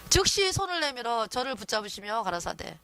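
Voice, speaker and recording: A woman gives a sermon in a higher voice that rises and falls a lot. She speaks conversationally and keeps turning to her listeners for agreement. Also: very animated, brisk, gravelly, fairly bright tone, a little hiss or hum. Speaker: preacher.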